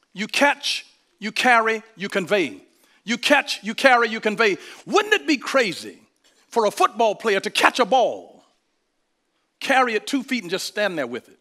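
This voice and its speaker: In a Southern US accent, a man with a high pitch speaks in a raised, projected voice with a bright, sharp tone, lively intonation and big swings in loudness, at a moderate pace with long, frequent pauses, in a very clean recording with a silent background. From US state of Georgia. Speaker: pastor. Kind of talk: sermon. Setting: church.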